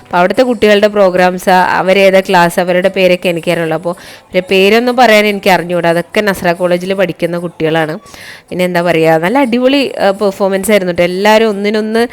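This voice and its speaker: A woman's voice: lowish voice, steady tone, quick pace, clean tone. A woman with a Kerala accent narrating a casual, chatty vlog, mixing English words into her Malayalam. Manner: chatty, addresses viewers with frequent tag words. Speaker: college teacher and vlogger.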